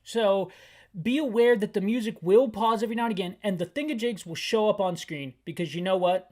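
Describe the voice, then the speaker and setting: Pitched high, slightly fast and somewhat dark in tone, this man in his thirties describes his gameplay out loud for viewers. As a gaming YouTuber, he rambles, stays hyper and pokes fun at himself.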